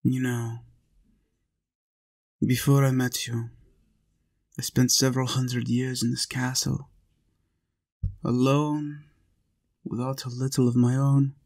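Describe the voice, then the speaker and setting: A man playing a lonely, tender, centuries-old vampire in an intimate roleplay audio, confiding softly and earnestly. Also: medium pitch, little pitch movement, slow pace, vocal fry, pauses often.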